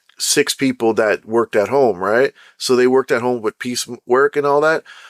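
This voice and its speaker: In an unremarkable speaking voice with a Canadian accent, a man talks at a moderate pace and medium pitch with ordinary pitch variation, on a very clean recording with a silent background and a dry, close sound with no echo. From Canada. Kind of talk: casual podcast talk to camera. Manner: casual, conversational.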